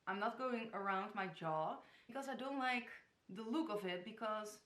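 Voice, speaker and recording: A chatty, giggly young woman from the Netherlands demonstrates hijab styles on camera in her echoey bedroom, talking casually as a tutorial vlogger. Her mid-range voice is a bit bright, her pace normal, and place names make her stumble.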